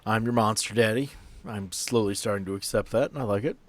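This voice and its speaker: A man's voice: fairly low pitch, a little fast. A man hosting a tabletop game podcast as game master, chatting casually with playful, teasing banter.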